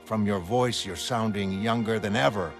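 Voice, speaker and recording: A man's voice: on the low side, moderate pace, lightly acted. A man playing a genial, self-deprecating older retired hero, nostalgic and folksy. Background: music.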